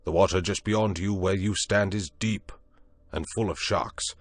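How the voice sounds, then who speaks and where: Man doing a calm, commanding scientist. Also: low voice, no room sound. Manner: calm, measured, authoritative. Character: steady, commanding older male scientist.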